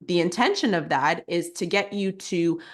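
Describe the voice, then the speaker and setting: A woman's voice: on the low side, moderate pace. A young woman coach answering interview questions, earnest and explanatory, with frequent "like" fillers. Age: young adult. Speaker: guest, teen life coach.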